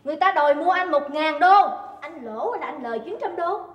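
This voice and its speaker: A woman's voice: animated, a little fast, muffled recording. An actress with a Southern Vietnamese accent playing a middle-aged jealous wife who scolds and mocks her husband in a stage comedy. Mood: nagging. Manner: shrill, scolding, sarcastic. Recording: roomy stage hall, faint noise.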